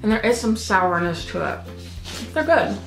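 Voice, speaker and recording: A woman's voice: mid-range voice, sing-song, normal speed, gravelly. Woman chewing while she talks. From United States. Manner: chatty, reacting as she tastes. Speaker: vlogger. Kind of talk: casual taste-test vlog. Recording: echoey room, faint music.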